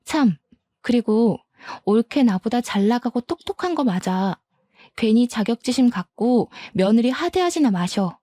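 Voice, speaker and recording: A woman's voice: fairly high pitch, animated, measured pace, mellow, dry recording, studio quality. A woman voicing a defiant grown daughter who answers her mother with cutting, sarcastic retorts. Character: defiant grown daughter, sharp-tongued doctor.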